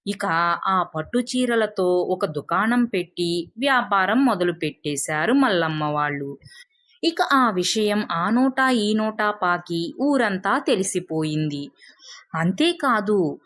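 A woman's voice: medium pitch, animated, slow pace, a bit bright. A woman telling a scripted moral story as a storyteller. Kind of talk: scripted moral-tale narration.

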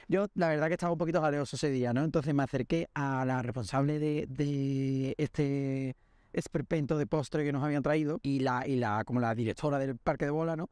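A man's voice: a little high, clear, resonant tone, no echo, clean studio sound. A young man, hosting a podcast and telling comic anecdotes, acting out the voices of the people in them. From Spain. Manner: animated, acts out the voices in his anecdotes. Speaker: podcast host. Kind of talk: comic storytelling monologue.

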